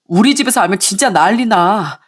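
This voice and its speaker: A woman's voice: medium pitch, animated, fairly quick, slightly rough. A woman voicing a flustered, cheating husband who pleads and dodges.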